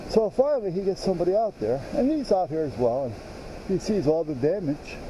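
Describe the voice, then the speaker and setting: A man talks at a high pitch and a fairly quick pace, his pitch swinging very widely. Noticeable background noise runs underneath. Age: 70s. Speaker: homeowner vlogger. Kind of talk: casual walkthrough rant to camera. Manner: animated, aggrieved.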